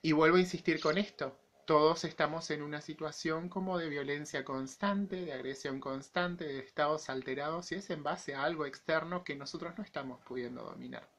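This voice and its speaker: Brisk and with few pauses, an Argentine man in his forties voices his opinions to camera for his YouTube channel. His pitch runs high with fairly even intonation and a fairly bright tone, and the infection he's recovering from can be heard in it.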